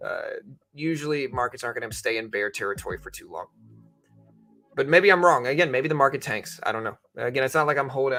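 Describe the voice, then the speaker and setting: A livestream host and stock trading commentator with a medium-pitched, bright, forceful voice gives casual market commentary. He explains things informally to viewers in a conversational way, hedging on both sides.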